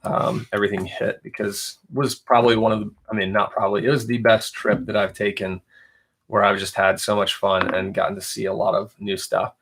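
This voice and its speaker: A man's voice: on the low side, flat delivery, brisk, creaky, fairly bright tone, breathy edge. A young adult man hosting a casual live stream, chatting in a rambling way and reading viewer questions aloud. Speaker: reseller livestream host.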